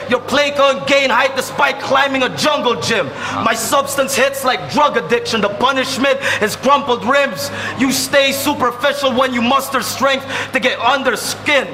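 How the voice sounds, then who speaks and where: A man from the Philippines performing battle rap, hurling rhymed insults and sometimes shouting them. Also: extremely high pitch, measured pace. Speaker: battle rapper. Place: live battle venue. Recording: echoey room, noisy live audio.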